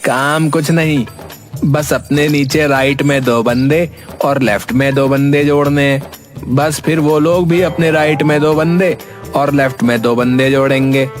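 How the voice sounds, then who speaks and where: A man voicing a boastful, smooth-talking young schemer in a cartoon, with a salesman-like pitch. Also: fairly even intonation, measured pace, faint music behind, close to an everyday voice. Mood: smug. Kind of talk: cartoon voice acting.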